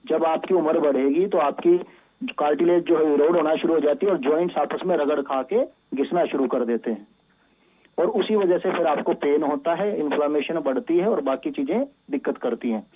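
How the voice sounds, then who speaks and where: The sound is narrow and phone-like, carrying a man's fairly high voice. He is a medical expert on a call-in show, explaining patiently and instructively. His speech is sprinkled with English medical terms. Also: moderate pace, husky. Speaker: doctor, physiotherapy expert guest. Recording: thin phone-like band-limited line.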